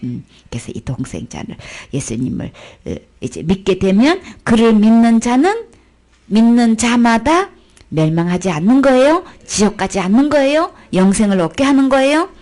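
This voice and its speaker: A woman's voice: on the high side, big pitch swings, normal speed, darkish tone. A woman teaching a daytime church Bible lesson, coaxing her listeners with one rhetorical question after another.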